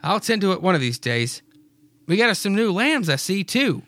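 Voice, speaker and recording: A proud, stubborn farmer husband who speaks in a raised, gruff voice with a brogue that keeps slipping, as a man acts him out. Dry and close, with no room sound. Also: high-pitched, very animated, normal speed, a bit bright, dry recording, pitched above the performer's own voice. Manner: raised, gruff put-on voice with a wobbly attempted brogue.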